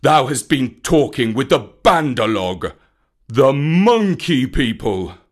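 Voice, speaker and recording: A man voicing a big old brown bear, a stern but tender teacher with a weighty, emphatic, old-fashioned way of speaking in a storybook. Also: huge pitch swings. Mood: angry, stern. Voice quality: rumbling, weighty. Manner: slow, emphatic, archaic storybook speech.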